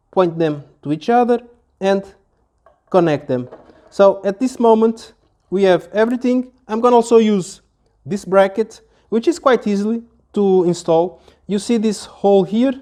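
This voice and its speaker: A man. He explains things step by step as a product reviewer, casual and somewhat halting in his delivery. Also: high voice, warm tone. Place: small office, indoors.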